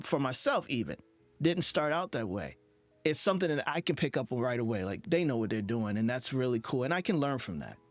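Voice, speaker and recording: Male interviewer, mid-pitched, conversational podcast delivery, light music bed behind. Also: dry recording. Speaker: podcast host interviewing a guest.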